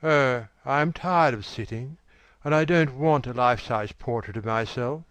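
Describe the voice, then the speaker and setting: A man voicing a petulant, charming young gentleman who talks in a wilful, breathless rush. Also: mid-range voice, sing-song, no echo, voice pushed up, natural voice. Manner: wilful, quick, breathless pleading.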